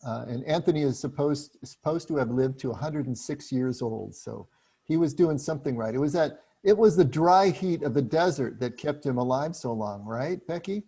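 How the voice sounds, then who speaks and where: A man leading a group book study, explaining passages in a relaxed, chatty way with frequent restarts. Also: medium pitch, normal speed, slightly rough.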